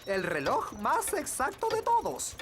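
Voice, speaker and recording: Slow, high-pitched wise old elf. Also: male voice, wildly swooping pitch, heavily acted. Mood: proud. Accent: Latin American Spanish. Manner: earnest, proud, deliberate. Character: wise old male elf, earnest clock keeper. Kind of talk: children's cartoon dubbing. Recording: clicking, ticking noise behind.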